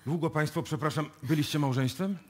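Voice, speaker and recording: An actor in a live radio play playing a skeptical, politely persistent police investigator who questions haltingly. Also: male voice, fairly high pitch, close to an everyday voice. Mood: probing. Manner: hesitant, polite, insistent questioning.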